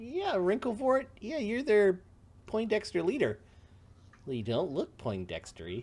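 A fairly high-pitched put-on character voice at a moderate pace, broken by long, frequent pauses. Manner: teasing, playful.

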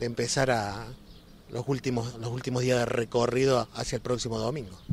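Light background noise accompanies a man talking at a fairly quick pace, with a dry sound with no echo. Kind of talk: interview answer. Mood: enthusiastic, warm. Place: street. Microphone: handheld.

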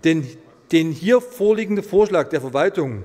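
His intonation is lively. This man keeps a moderate pace. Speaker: city council member. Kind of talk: political speech. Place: hall. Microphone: podium.

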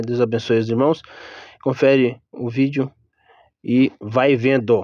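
A man speaks at a very slow pace in a medium pitch. The background is quiet. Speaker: YouTuber commenting on church sermon. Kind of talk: casual vlog commentary. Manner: casual, hesitant, filler-heavy.

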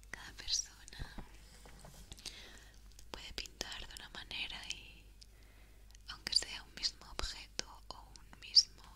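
Whispering and soft-spoken, the voice moves at a very slow pace with long, frequent pauses and big swings in loudness. Light background noise is present. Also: woman. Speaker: ASMR creator. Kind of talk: whispered ASMR roleplay. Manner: soft close-mic ASMR whisper. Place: home room. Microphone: studio mic.

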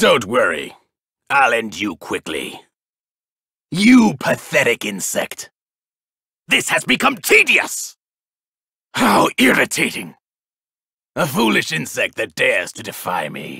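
A man's put-on character voice, raspy, dry and close with no echo, big swings in loudness, a fairly slow pace and long, frequent pauses. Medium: dub. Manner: haughty, commanding.

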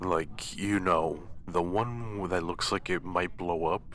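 A man uses a put-on character voice at a very deep, low pitch. He goes at a fairly slow pace, and background noise is clear. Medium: audio drama. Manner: hesitant, uncertain.

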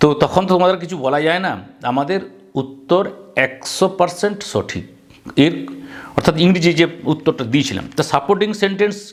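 Noticeable background noise behind a man with a Bengali accent, high-pitched, with ordinary pitch variation. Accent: Bengali-accented English pronunciation. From West Bengal, rural area. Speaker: teacher and exam tutor. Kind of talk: tutorial. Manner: halting.

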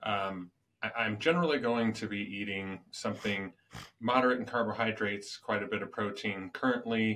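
The voice has a bright, sharp tone, ordinary pitch variation and a moderate pace, with light background noise. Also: man, fairly low pitch for a man. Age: 40s. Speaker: personal trainer and bodybuilder; personal trainer. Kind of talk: casual interview. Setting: fitness studio. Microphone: video call.

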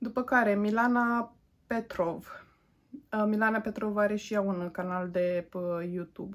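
Fairly slow and with fairly even intonation, a woman talks. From Romania, Bacău; Romania. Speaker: YouTuber; vlogger. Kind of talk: casual Q&A vlog. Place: home room. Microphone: phone near.

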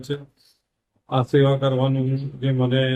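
A man speaks at a medium pitch. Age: 60s. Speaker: social worker and trader. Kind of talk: interview. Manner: halting.

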